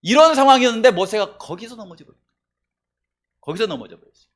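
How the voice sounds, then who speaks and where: Lively male pastor preaching. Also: fast talker. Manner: conversational, asks the congregation questions; lively swings between loud emphasis and low asides. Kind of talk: sermon. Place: church.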